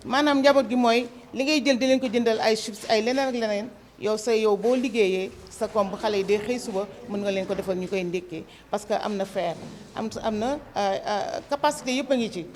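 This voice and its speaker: A woman's voice: fairly high pitch, darkish tone, a little hiss or hum. A woman who took part in a training, explaining at length in an interview. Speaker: training participant. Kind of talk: interview answers.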